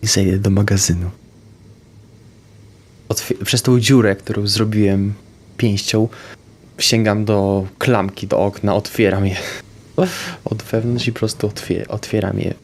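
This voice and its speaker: Man, low voice, calm, deliberate, tabletop player. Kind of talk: describing his character's actions.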